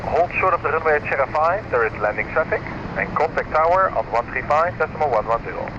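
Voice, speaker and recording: A man's voice: on the high side, animated, fast talker. A man giving clipped air traffic control instructions over an aviation radio. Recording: muffled radio, loud aircraft noise. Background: loud aircraft noise at airport.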